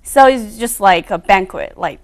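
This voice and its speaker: A young woman from China, a native Chinese speaker, talking haltingly in English as a student guest and saying "like" often. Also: mid-range voice, lively intonation. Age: young adult. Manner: halting, says "like" often, short affirmations.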